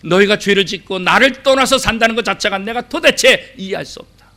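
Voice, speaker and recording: A middle-aged male pastor preaching a sermon, acting out quoted voices and asking the congregation rhetorical questions, swinging between loud and hushed. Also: high voice, brisk.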